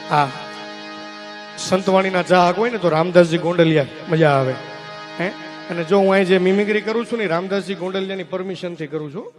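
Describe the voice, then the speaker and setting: A man's voice: high-pitched, fairly quick, soft background music. A male comedian telling folksy stage jokes and slipping into character voices. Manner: folksy joke-telling, voices many characters, drops tag "ઈ કે". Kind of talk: stage comedy storytelling with mimicry.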